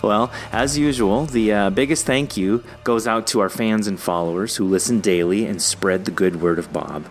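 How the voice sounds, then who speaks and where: A man's voice: on the low side, moderate pace, few pauses, soft background music. A man chatting casually as a podcast host interviewing a guest, encouraging and jokey in manner.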